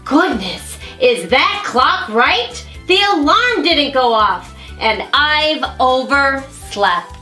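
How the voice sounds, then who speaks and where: A woman's voice: high-pitched, sing-song, takes it slowly, hardly any pauses, pushed and bright, roomy sound, faint music behind, voice pushed up, heavily acted. Woman reading as a flustered old Santa. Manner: flustered, exclaiming. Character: jolly hurried old Santa man.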